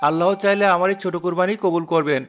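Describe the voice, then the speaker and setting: A man voicing a poor, devout village father in a cartoon, speaking earnestly and gently preaching. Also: high voice, steady tone, very fast, faint music behind.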